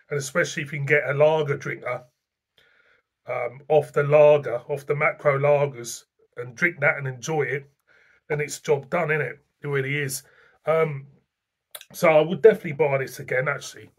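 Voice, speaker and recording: A man's voice: a little high, steady tone, normal speed. A middle-aged man reviewing a beer to camera in a casual, rambling, plain-spoken way, recorded in a small room at home.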